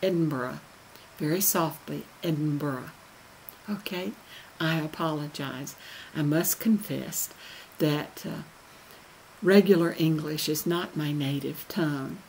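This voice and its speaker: Slow, low older Southern woman. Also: vocal fry, slight background noise, rough recording. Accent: Southern American, softened by radio speech training. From American South. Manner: slow, careful endings, gently humorous. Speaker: presenter. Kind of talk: folksy history talk to camera. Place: wood-panelled room indoors. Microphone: webcam on a video call.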